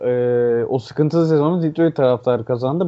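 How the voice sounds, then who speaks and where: The pace is fairly quick, in a normal speaking voice. Pitch varies in an ordinary way. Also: man. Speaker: basketball podcast host. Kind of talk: casual chat.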